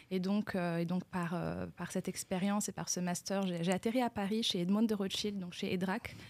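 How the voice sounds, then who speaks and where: On a very clean recording with a silent background, a woman speaks at a moderate pace and medium pitch, in a monotone, flat intonation with hardly any pauses. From southwestern France, Bayonne. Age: 30s. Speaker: life insurance sales manager. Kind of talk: podcast interview. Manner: hesitant, many fillers.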